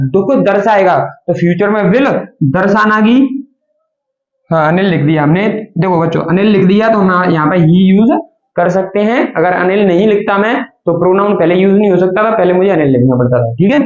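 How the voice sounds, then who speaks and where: A man's voice: sits high, a little mellow, roomy sound, lo-fi sound. A man teaching an English grammar lesson, asking questions and answering them himself and calling his students children.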